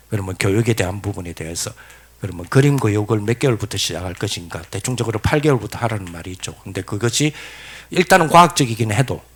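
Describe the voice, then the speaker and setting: A middle-aged man, preaching a lecture-style sermon, asking the congregation questions and acting out quoted voices. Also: on the low side. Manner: animated storytelling, asks the congregation questions. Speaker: pastor.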